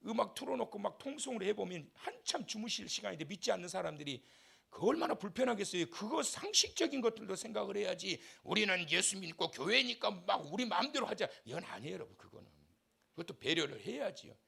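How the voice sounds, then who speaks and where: A male pastor preaching a fervent revival sermon in a church, swinging from shouts to quiet asides and leading the congregation in call-and-response. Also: high-pitched, sing-song, fast, gravelly, breathy edge. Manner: impassioned, shifts between shouting and soft asides. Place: church sanctuary.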